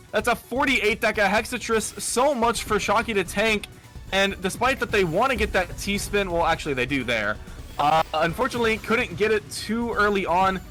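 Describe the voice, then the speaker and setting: A man giving analytical play-by-play commentary on a competitive video game match, steady and full of "uh" fillers. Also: sits high. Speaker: esports commentator.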